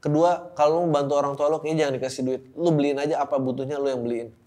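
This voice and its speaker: Young guy on a podcast, reads letters then cusses about them, voice kinda high. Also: steady tone, fast, darkish tone. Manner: blunt and profane, reads letters aloud then reacts with laughter. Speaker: podcast host reading listener messages. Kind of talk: casual podcast chat.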